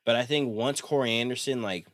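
A man's voice: medium pitch, fairly quick, a bit bright, dry recording, studio quality. A young man co-hosting a podcast, chatting loosely about fights with slang and swearing. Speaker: podcast co-host. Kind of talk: casual banter about fights.

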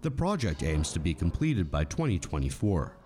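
A man's voice: sits low, big pitch swings, moderate pace, mellow. A man reporting a news story in a scripted reporter's cadence.

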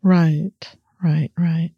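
A woman's voice: deep voice, level tone, drawn-out words, breathy edge, dry recording, muffled recording. A woman podcast host interviewing a guest, enthusiastic and laughing often.

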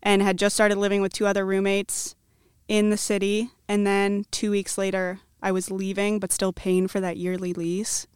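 A woman's voice: medium pitch, completely flat delivery, normal speed, smooth, no echo, studio quality. A woman in her twenties from the American Midwest, chatting casually as a podcast guest in an upbeat, talkative way. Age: 20s. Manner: chatty, upbeat, many likes. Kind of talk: casual chat.

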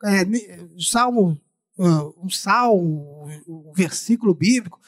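A man with a very high voice preaches in Brazilian Portuguese, slightly muffled by a face mask. He delivers his sermon as a preacher who repeats phrases to drive them home. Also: expressive, slow pace. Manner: repeats phrases for emphasis, acts out dialogue.

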